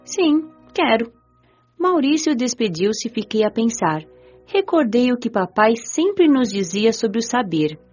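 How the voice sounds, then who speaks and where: Radio drama lead: eager, devoted young Brazilian woman, highish animated voice, music underneath. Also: a little slow. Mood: happy, earnest. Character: nineteen-year-old spirit woman, eager, devoted, recalling her afterlife. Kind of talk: radio drama narration and dialogue. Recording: lo-fi band-limited audio, music behind.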